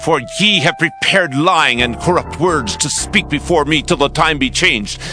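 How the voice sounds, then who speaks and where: A man's voice: fairly high pitch, a little slow, music in the background, lightly acted. A man playing an imperious, threatening ancient king in a dramatized scripture reading, with commanding, declamatory delivery. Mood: stern, threatening.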